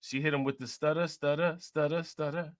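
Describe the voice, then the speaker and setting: A man's voice: a little high, fairly even intonation, brisk, a crowd in the background. A man hosting a livestream, casually reacting to a news clip, joking, laughing and reading out chat comments. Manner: joking, laughing, repeats himself, reads chat shout-outs.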